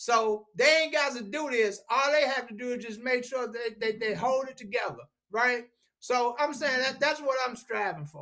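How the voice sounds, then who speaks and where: A man projects a raised voice at an extremely high pitch with a bright, sharp tone. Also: ordinary pitch variation, moderate pace. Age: 70s. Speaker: community activist. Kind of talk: podcast discussion. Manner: animated.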